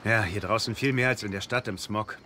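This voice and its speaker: A man's voice: lowish voice, steady tone, brisk, lightly acted. An actor in a dubbed sitcom playing a naive, good-natured, geeky man. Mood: earnest. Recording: noisy TV audio with studio laughter.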